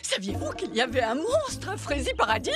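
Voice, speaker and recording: A fussy, fretful cartoon bug on holiday. The voice is very high and swings wildly up and down with dramatic alarm, over clear background music. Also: female voice, huge pitch swings, a little fast. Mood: panicked. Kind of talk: animated children's cartoon dub. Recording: background music under the dialogue.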